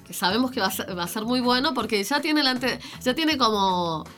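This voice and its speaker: A woman's voice: fairly high pitch, expressive, brisk, a bit bright. A woman with an Argentine Spanish accent co-hosting a radio talk show, playful and teasing, with a cold. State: has a cold. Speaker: radio co-host. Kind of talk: casual radio chat.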